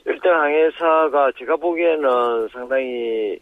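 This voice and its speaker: A man, a professor, explaining on a news interview over a phone line, measured and pausing often with fillers. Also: mid-range voice, dry recording. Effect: heard over a phone line. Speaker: professor, expert guest. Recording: tinny phone line, dry.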